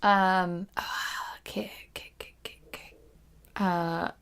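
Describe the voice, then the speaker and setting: A woman's voice: lowish voice, little pitch movement, measured pace, vocal fry, a bit bright, a little hiss or hum. A young woman guesting on a podcast, chatting casually with a giggly, somewhat hesitant and self-conscious manner. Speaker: podcast guest, host's sister. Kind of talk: casual chat.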